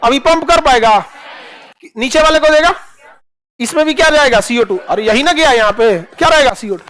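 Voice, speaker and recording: A man with a very high voice teaches a class at a normal speed, firing questions and repeating answers in a call-and-response drill. He is animated, throwing in acted asides as he drills students over and over.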